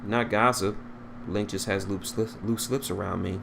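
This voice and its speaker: A man's voice: fairly low pitch, fairly even intonation, normal speed, creaky, noisy background. A man voicing a blunt, teasing female space bounty hunter in a storybook reading, matter-of-fact in manner.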